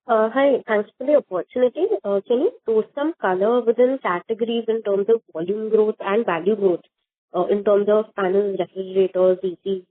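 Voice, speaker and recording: A woman's voice: medium pitch, fairly even intonation, fairly quick, no echo. A woman asking a question as an analyst on an earnings call. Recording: muffled, dry phone line.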